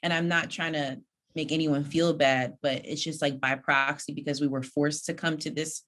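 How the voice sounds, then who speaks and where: A woman from Texas talks as a podcast guest about her research and organizing. Her voice is notably low, and her tone stays chatty and lively. She laughs easily and throws asides to the listeners. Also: moderate pace. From United States (Houston, Texas). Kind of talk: casual podcast conversation.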